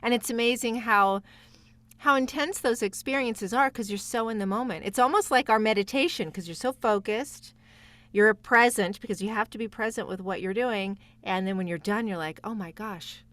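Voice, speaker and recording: A woman's voice: medium pitch, moderate pace, fairly bright tone. A woman speaking as a guest voice actor in a casual interview, enthusiastic and reflective.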